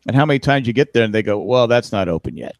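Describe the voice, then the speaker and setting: A man's voice: lowish voice, expressive, fast talker, no room sound, studio quality. A man in his fifties co-hosting a casual chat, rambling and correcting himself as he talks. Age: 50s. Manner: rambling, self-correcting, wry about aging. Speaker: podcast co-host.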